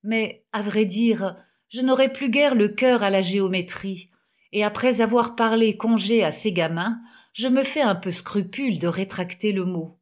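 A woman's voice: medium pitch, moderate pace, close to an everyday voice. A woman reading the lines of a shy, emotional middle-aged male schoolmaster in an audiobook, timid and hesitant. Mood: moved.

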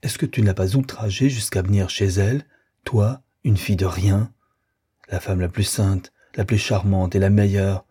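A man's voice: low voice, steady tone, moderate pace, dark tone, slightly rough. A man voicing a jealous young lover who hurls bitter, accusing tirades at his mistress.

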